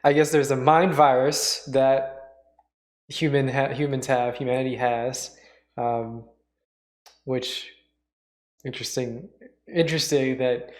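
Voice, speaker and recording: A man hosting a livestream, giving casual off-the-cuff commentary in a halting, musing way. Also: mid-range voice. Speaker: host, livestreamer reacting to radio dramas.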